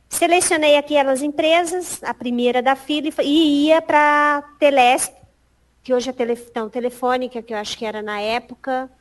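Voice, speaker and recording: Guest: high-voiced middle-aged Piauí-accented woman, lively storyteller who mimics the people she quotes. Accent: Piauí Brazilian Portuguese. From Piauí, Brazil. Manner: animated, acts out quoted dialogue, laughs often. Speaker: podcast guest. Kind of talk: casual storytelling interview.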